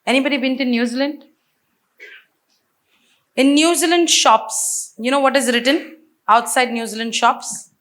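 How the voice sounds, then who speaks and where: A woman with an Indian English accent giving a lively seminar talk, asking the audience questions. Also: sits high, measured pace, pauses often. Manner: energetic, asks the audience questions. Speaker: business speaker.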